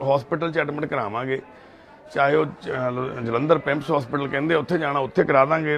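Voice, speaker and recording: A man with a Punjabi accent, a social worker, calmly explaining to the camera outdoors in a village. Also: on the high side, gravelly. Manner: loud coaxing calls, then measured earnest talk. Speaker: social worker helping addicts. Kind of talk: pleading on the scene, then calm explanation to camera.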